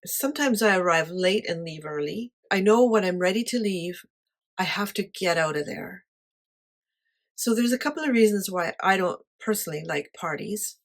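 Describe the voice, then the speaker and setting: A woman with a quiet voice talking casually to camera about her life, light-hearted and honest in manner. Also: medium pitch, expressive, moderate pace. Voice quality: quiet voice that does not carry. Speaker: artist sharing life advice.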